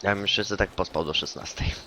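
A man streaming a shooter game, chatting casually with a teammate, swearing and yelling taunts when he scores kills. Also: deep voice, quick pace, slight background noise. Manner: excitable, swears, yells taunts in English on kills. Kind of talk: casual gaming chat with a teammate.

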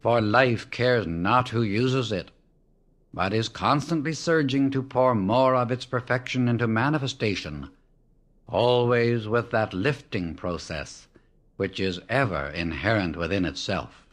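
A man reading a devotional book aloud as an audiobook narrator, in a measured, reverent way with long pauses. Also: on the low side, a bit bright. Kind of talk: slow, solemn reading of devotional text.

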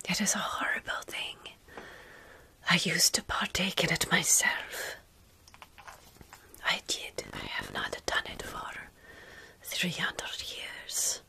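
A woman playing a gentle, centuries-old vampire caretaker in a soothing whispered ASMR roleplay. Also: low-pitched, full character voice. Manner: slow, soothing, measured whispering. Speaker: ASMR performer.

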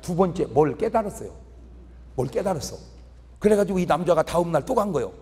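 A middle-aged man preaching a humorous revival sermon, telling stories with animated delivery and acting out dialect speakers. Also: high voice, fairly quick. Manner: animated storytelling, mimicking regional dialect speakers. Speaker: pastor. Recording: long hall reverb with faint ambience.

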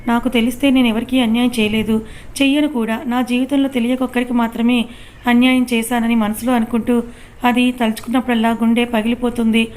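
A woman's voice: fairly high pitch, level tone, fairly quick, darkish tone, lightly acted. A woman voicing a distraught, angry young married woman in a read-aloud story, pleading and confrontational.

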